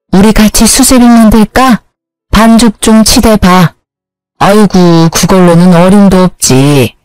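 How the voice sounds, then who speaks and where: A woman's voice: mid-range voice, darkish tone, smooth, dry recording, natural voice, low-quality recording. A woman voicing a stern older mother who bosses her son-in-law around in a storybook narration.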